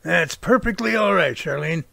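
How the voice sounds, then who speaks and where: A man's voice: high-pitched, lively intonation, normal speed, creaky, bright, forceful tone, dry recording, full character voice. An actor playing a middle-aged father and Bigfoot researcher in a radio drama, wry and folksy. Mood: calm.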